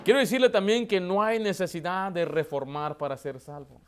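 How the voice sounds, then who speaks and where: A pastor preaching with a notably high-pitched voice for a man. He hammers his points with rhetorical questions and builds to loud, impassioned emphasis. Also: normal speed, clear, resonant tone. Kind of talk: sermon.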